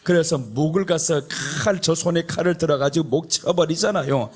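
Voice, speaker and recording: High-pitched man preaching emphatically. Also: normal speed, slightly rough. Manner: emphatic, repetitive, exhorting with rhetorical questions. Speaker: pastor preaching at a prayer retreat. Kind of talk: impassioned conversational sermon.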